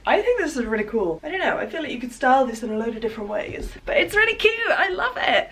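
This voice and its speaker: A woman's voice: medium pitch, slightly rough. A young English woman talks through her sewing at home in a casual vlog, chatty and self-mocking, often laughing at herself. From England. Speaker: sewing vlogger.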